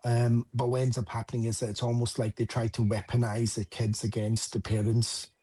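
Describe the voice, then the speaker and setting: A man's voice: mid-range voice, flat delivery, a little fast, warm tone, breathy edge. A man from Scotland with a Scottish accent, a relationship coach talking at length about his book in an interview, with many fillers and restarts. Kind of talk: interview answer.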